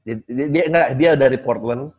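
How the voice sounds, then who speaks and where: A man hosting a casual chat, asking relaxed, encouraging questions. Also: medium pitch, normal speed, lo-fi sound. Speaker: host.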